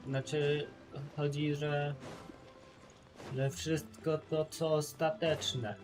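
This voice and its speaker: A man's voice: fairly high pitch, flat delivery, takes it slowly. A young man chatting casually on a live game stream, hesitant and musing aloud, with game music behind him. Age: young adult.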